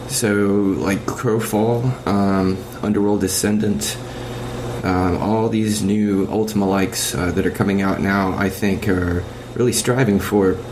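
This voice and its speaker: A man in a casual, analytical podcast discussion, explaining points about games in a measured, thoughtful way on a dated amateur recording. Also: low voice, noisy background.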